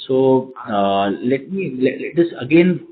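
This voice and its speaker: A man's voice: medium pitch, lively intonation, slow pace, phone-quality sound. A man with an Indian accent answering investor questions as a company executive, hesitant and often repeating words and phrases, over a phone conference line. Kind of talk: earnings call question and answer.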